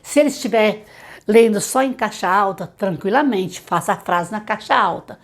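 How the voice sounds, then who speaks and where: Brazilian woman teacher, middle-aged, medium pitch, talks straight to mothers, slows to sound out words. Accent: Brazilian Portuguese. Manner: warm direct advice to mothers, slow syllable-by-syllable demonstrations. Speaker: literacy teacher. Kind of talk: tutorial talking to parents.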